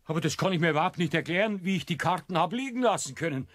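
A man's voice: a little high, animated, rapid-fire, a bit bright, dry recording, studio quality. An actor playing a flustered, superstitious male neighbour with a Bavarian accent in a comic radio play. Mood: baffled.

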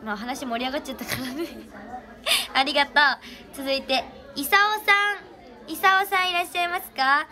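Bright high-voiced young woman. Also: brisk. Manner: chatty, thanks fans by name. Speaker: idol reading fan names. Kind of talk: casual livestream chat.

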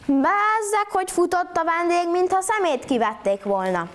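Animated woman telling a folk tale. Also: very high-pitched. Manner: animated, rhythmic rhyming delivery. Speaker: storytelling contestant.

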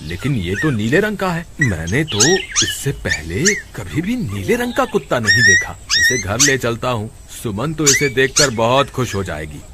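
A man voicing a kind, earnest male village farmer who speaks with care, over loud background noise. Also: mid-range voice, wildly swooping pitch, normal speed, few pauses. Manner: earnest, caring.

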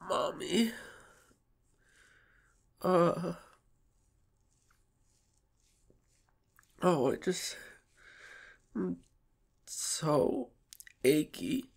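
A man voicing a shy, submissive, sick young boyfriend in an ASMR audio roleplay, congested and soft, with hesitant, pleading delivery. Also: on the high side, gravelly, breathy edge, exaggerated voice. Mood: shy, achy. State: sick, sore throat, stuffy nose.

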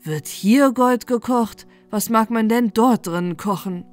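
A woman's voice: medium pitch, expressive, moderate pace, soft background music, natural voice. A woman voicing a cheerful, curious young king's son in a bedtime fairy tale, exclaiming in wonder.

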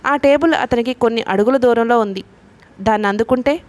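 A woman's voice: a little high, a little fast. A woman narrating a novel as an audiobook reader, reading the characters' lines in her own voice.

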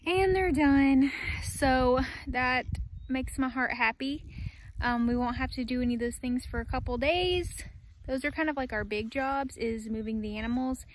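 A young woman vlogging as she does farm chores outdoors, chatting casually with the camera and softly cooing at the animals. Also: sits high, normal speed. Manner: chatty, talks to the animals in a soft baby voice. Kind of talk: casual chat. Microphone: phone camera, often held at arm's length. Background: farm animals and outdoor ambience.

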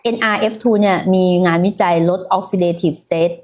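A woman's voice: lowish voice, fairly even intonation, normal speed, a little mellow. Woman doing a chatty health livestream, lots of fillers, talks right to her viewers. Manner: chatty, many fillers, addresses viewers directly. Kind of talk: casual livestream health talk.

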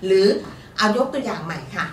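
A woman speaks in an animated, medium-pitched voice, a little fast, while co-hosting a fortune-telling show as its fortune teller. She offers lottery tips in polite, casual chat with frequent particles. Expect a roomy sound, a distant mic and faint noise.

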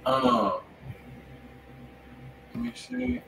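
An American man co-hosts a livestreamed music review, offering blunt, slangy, casual commentary in a medium-pitched voice that swoops wildly while he speaks very slowly. He's in an indoor home studio, far from the microphone, so the recording sounds echoey, distant and noisy.

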